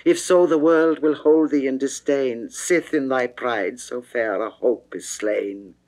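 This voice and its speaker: A man voicing a seductive goddess of love who pleads passionately, in a theatrical, declamatory and measured classical verse reading. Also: mid-range voice, fairly even intonation, a little mellow, natural voice. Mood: urgent persuasion.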